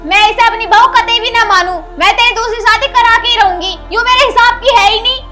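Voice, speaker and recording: A woman's voice: very high voice, steady tone, brisk, bright, forceful tone, soft background music. A woman playing a harsh, scolding village mother-in-law. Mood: scornful. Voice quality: scolding, contemptuous. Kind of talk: rural Hindi film drama.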